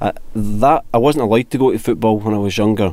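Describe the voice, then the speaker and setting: This man speaks in a Scottish central belt accent. His tone is dark and mellow. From Scotland, West Lothian. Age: 40s. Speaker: football fan and social media activist. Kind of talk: interview.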